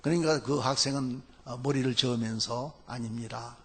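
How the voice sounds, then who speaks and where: A man preaching a Sunday sermon, easing into a story with hesitant fillers. His voice sits a little high for a man. It has a husky, breathy edge. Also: lively intonation, a bit bright. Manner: unhurried, with frequent hesitant fillers. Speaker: pastor.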